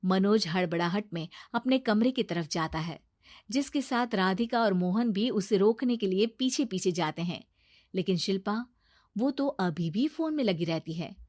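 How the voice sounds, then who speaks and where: Steady female story narrator. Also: mid-range voice, normal speed, no echo, clean studio sound.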